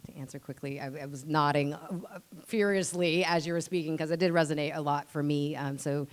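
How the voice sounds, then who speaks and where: A woman's voice: deep voice, fairly even intonation, brisk. A woman from Southern California whose first language is Spanish, speaking earnestly on a panel. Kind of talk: casual panel talk.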